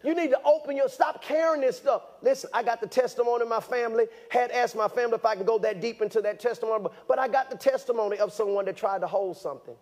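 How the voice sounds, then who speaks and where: A man delivers a sermon in a strikingly high voice. He is fervent and insistent, hammering points home through repetition. His wording is colloquial, aimed straight at the people listening. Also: fast talker, hardly any pauses, a little mellow. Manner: exhorting, repeats phrases for emphasis; colloquial, direct address to listeners. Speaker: preacher. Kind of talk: sermon to a congregation.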